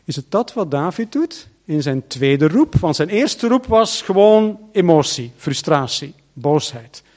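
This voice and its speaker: A man preaching a sermon as pastor, emphatic and full of rhetorical questions, swinging between loud and hushed. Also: on the high side, sing-song, unhurried.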